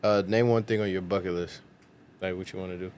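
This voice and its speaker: Low-voiced male podcast host. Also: steady tone, a little mellow, slight background noise. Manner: brief affirmations, quick-fire questions. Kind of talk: casual interview questions.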